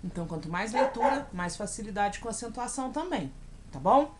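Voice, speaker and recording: A woman with a Brazilian Portuguese accent teaching in a recorded video lesson, slowly spelling out example words and often checking in with her students. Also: medium pitch, animated, darkish tone, a little hiss or hum. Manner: checks in with frequent "tá bom?".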